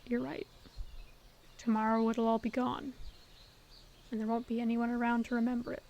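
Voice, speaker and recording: A woman acting a gentle, hopeful best friend in an audio roleplay, talking to the listener in an earnest, reassuring, conversational way. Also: fairly high pitch, little pitch movement, moderate pace, muffled recording, close to an everyday voice. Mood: tender, hopeful. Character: gentle, hopeful female best friend comforting her secret crush. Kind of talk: scripted audio roleplay, intimate one-sided dialogue to the listener.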